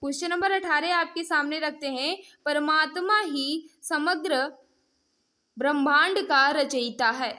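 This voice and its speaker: Female online tutor, high voice, interactive mock-test delivery, repeatedly prompting learners and addressing them directly. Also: pushed and bright. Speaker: teacher hosting an online exam-prep class. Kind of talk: interactive mock-test lesson, quizzing viewers.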